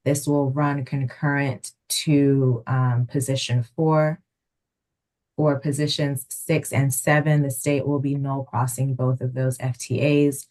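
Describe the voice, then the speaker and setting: A man speaking as a prosecutor in court, formally reciting plea terms in a flat, procedural manner. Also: mid-range voice, slow pace, rough recording.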